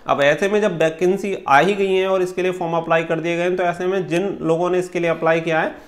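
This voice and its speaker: Male exam coach, thirties, high-pitched voice, instructional delivery with English words mixed in. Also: fairly even intonation, fast talker. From India. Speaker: exam-prep coach and channel host. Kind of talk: explanatory talk to camera for exam candidates. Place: small room indoors.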